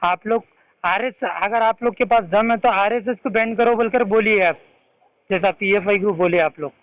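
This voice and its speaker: A man's voice: high voice, moderate pace, no echo. A man with a Hyderabadi accent on a phone call, pressing his questions insistently and accusingly, often cutting in. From India. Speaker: activist caller questioning a religious leader. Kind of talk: confrontational phone conversation. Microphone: phone call recording. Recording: tinny, narrow-band phone line.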